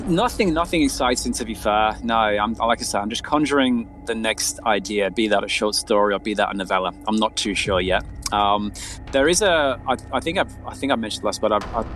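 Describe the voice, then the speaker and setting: A man's voice: on the low side, a bit bright, a little hiss or hum. A man speaking as a writer being interviewed, chatting casually in a hesitant, self-effacing way and often repeating his words. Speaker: interviewed guest, fiction writer.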